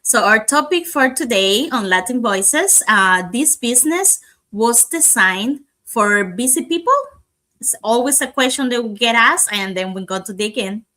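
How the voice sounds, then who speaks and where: A woman from Cuba, co-hosting and announcing guests in a lively way. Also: a little high, a little slow. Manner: lively announcing, reads name lists. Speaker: co-host. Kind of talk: casual show chat.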